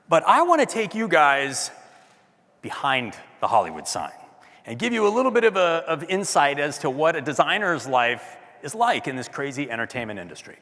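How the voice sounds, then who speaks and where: A man giving a talk at a design conference, chatty and loud, often asking the audience questions. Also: a little high, in a large hall. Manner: loud speaking voice. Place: large hall with audience.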